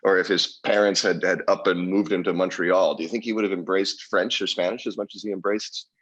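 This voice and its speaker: A man's voice: low-pitched, steady tone, brisk, a bit bright, husky, dry recording, lo-fi sound. A man co-hosting a podcast, telling a story in casual chat with lots of restarts and fillers. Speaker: podcast co-host.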